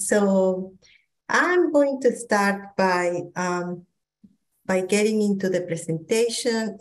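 A middle-aged woman from Peru with a thick Peruvian Spanish accent, presenting a training talk on a video call, pausing often with fillers and restarts. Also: lowish voice. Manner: warm, hesitant with many fillers and restarts. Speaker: psychologist presenter.

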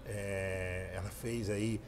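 A man's voice: lowish voice, little pitch movement, very slow. Brazilian guy in his 30s, earnest interview answers, lapel mic, some noise behind. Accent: Brazilian Portuguese. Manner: earnest, storytelling, leans on "né". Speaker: guest entrepreneur and speaker. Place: pink decorated studio set, indoors.

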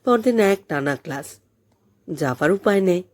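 A woman reading a story as an audiobook narrator, in an expressive scripted style. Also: lowish voice, a little slow.

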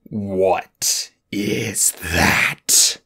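A man's voice: sits low, bright, forceful tone, breathy edge, heavily acted. A man voicing Moroseer, a menacing huge black dragon. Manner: slow, cold, venomous.

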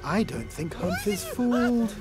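An expressive narrator telling a children's cartoon story, reacting to the action with exclamations and questions. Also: mid-range voice, a little slow. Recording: music behind the voice. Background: cartoon music.

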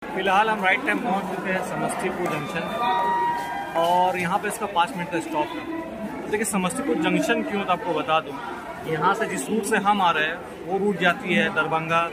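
Young man, high-pitched voice, chatty travel commentary, phone at arm's length, loud train noise, busy crowd behind. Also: steady tone, normal speed. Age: young adult. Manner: chatty, explains routes and timings to viewers. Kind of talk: casual travel vlog commentary. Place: inside a moving train and on a station platform. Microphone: phone camera at arm's length.

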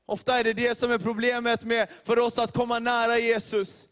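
Man, youth leader, sermon, high voice, steady even pitch, repetitive emphatic preaching, long reverberant church hall.

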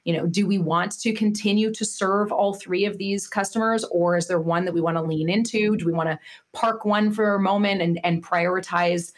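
A woman's voice: mid-range voice, fairly even intonation, normal speed. A woman in her forties, a guest author in a podcast interview, talking in a chatty way with lots of fillers. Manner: chatty, with many fillers and restarts. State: slightly nasal from losing her voice.

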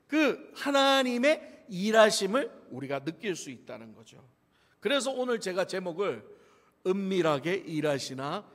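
A man's voice: on the high side, creaky. A man with a Gyeongsang Korean accent preaching a sermon, joking and telling the story with laughs, heard with long church reverb. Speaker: pastor. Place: church sanctuary.

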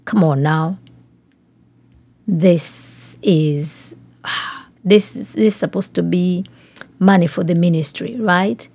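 Woman, podcast host, news commentary, slightly low pitch, husky tone, direct questioning manner. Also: slow pace, long pauses, warm tone, no room sound. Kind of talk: news commentary, part reading aloud.

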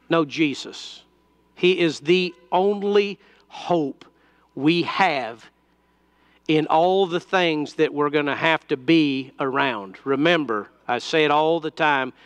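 A man's voice: fairly high pitch, a bit bright, clean tone, dry recording. A male pastor preaching a sermon at a pulpit microphone, talking in a conversational way with frequent fillers and restarts.

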